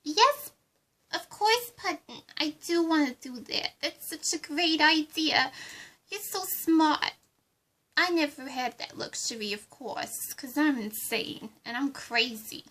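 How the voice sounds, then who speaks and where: A giddy, unhinged villainess gushes in a very high, bright voice with a put-on accent, as a woman acts her out. Her words come slowly and sing-song, eager to please. It is a homemade fan roleplay. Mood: bubbly.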